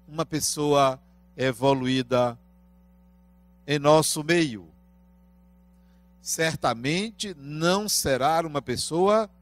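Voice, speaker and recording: A Brazilian man in his fifties delivers a spiritist lecture into a handheld microphone in a small room, slow and deliberate, posing rhetorical questions as his loudness rises and falls. His voice is on the high side, and there is no room sound.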